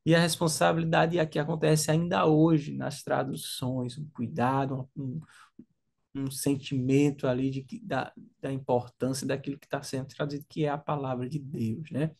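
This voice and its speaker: A man's voice: mid-range voice, little pitch movement, normal speed, vocal fry, darkish tone. A man with a Brazilian Portuguese accent, co-hosting a religious teaching podcast, speaking thoughtfully with hesitant restarts. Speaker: podcast co-host, Sunday school teacher. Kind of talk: casual religious podcast discussion.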